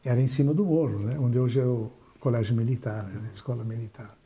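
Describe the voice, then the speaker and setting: Older man with a very dark voice reminiscing. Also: medium pitch, fairly even intonation, quick pace. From southern Brazil. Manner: reflective, restarts and trails off while remembering. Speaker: interview guest, businessman. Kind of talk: recalling his life in an interview.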